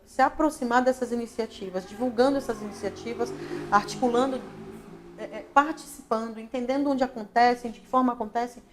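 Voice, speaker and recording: A woman's voice: a little high, fairly quick, background noise. A Brazilian woman speaking as an interview guest, thoughtful and reflective, often adding "né?" and restarting her phrases. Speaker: guest, actress, director and lighting designer. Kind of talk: casual interview talk. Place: local talk show broadcast on social media.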